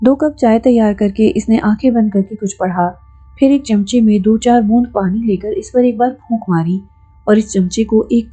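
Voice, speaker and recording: A woman narrating a horror novel audiobook in a steady storytelling manner. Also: medium pitch, husky. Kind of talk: scripted narration.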